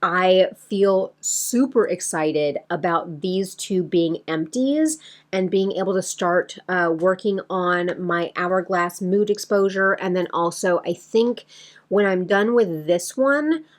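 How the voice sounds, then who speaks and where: Woman, beauty vlogger, medium pitch, casual, chatty, rambling, speaking straight to viewers. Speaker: beauty vlogger and host of her channel. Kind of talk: casual chatty vlog to camera.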